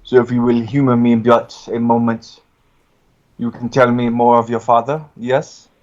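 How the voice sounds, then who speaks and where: A man playing a courtly adventurer in a tabletop game, questioning someone in stilted formal phrases with deliberate pauses. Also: mid-range voice, flat delivery, darkish tone, natural voice. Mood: probing, formal. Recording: dull audio, music behind.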